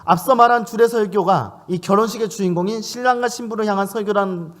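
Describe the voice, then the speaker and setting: A man's voice: sits high, fast talker, a bit bright. A man preaching a sermon in church, asking questions of his listeners as he speaks. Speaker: pastor.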